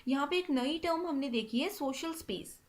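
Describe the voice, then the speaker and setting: A woman's voice: high-pitched, normal speed. A young woman teaching an online exam-prep lecture in Hindi mixed with English terms, checking in with "theek hai" after nearly every point. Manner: repeats "ठीक है" constantly, mixes English terms into Hindi.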